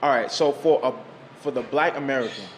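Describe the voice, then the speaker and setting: A man's voice: mid-range voice, fairly quick, slight background noise. A man in a casual group debate, insistent and repeating his phrases for emphasis.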